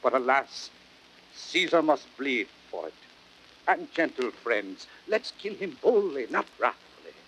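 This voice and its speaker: A high-minded Roman nobleman of medium pitch. He speaks with solemn, measured oratory in classic stage-verse manner, on a slightly hissy old audiodrama record. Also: big pitch swings, a bit bright, poor audio. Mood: earnest, resolute. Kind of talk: classic Shakespearean radio acting, oratorical.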